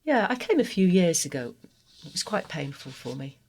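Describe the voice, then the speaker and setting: A trans woman from Guatemala, a native Spanish speaker, telling her life story in an interview with an earnest, heartfelt, measured manner. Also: sits low, big pitch swings, a little mellow, a little hiss or hum. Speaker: interview guest. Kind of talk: personal testimony interview.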